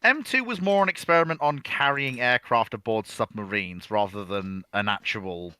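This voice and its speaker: Male panellist, bright forceful voice, dry close sound, pedantic and halting in casual discussion. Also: medium pitch, clear, resonant tone, no echo. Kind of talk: casual live history discussion.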